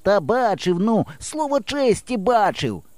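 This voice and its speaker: An earnest village boy, as a male reader puts him on, high and lively in pitch, his voice set apart from the reader's own tone. He talks in urgent, breathless pleas, close and dry like a storybook reading. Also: measured pace, dry recording. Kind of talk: audiobook character voice.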